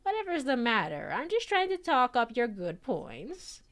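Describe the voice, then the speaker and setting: A woman voicing a chatty older noodle-shop proprietress in a put-on grandma voice, slow and fussy. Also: high-pitched, wildly swooping pitch, a bit bright, pitched above the performer's own voice, exaggerated voice. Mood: fussing.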